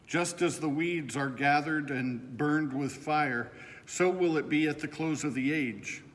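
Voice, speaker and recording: Middle-aged pastor reading in a church. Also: male voice, fairly high pitch, unhurried, a bit bright. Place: church sanctuary, indoors. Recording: echoing church with faint noise.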